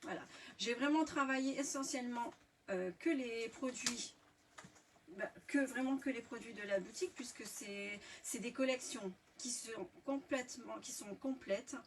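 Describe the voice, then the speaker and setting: A woman's voice: a little high, a little slow. A French woman hosting a live scrapbooking tutorial, talking casually with many fillers and restarts as she shows her materials. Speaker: scrapbooking workshop host. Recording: distant mic, faint background hiss.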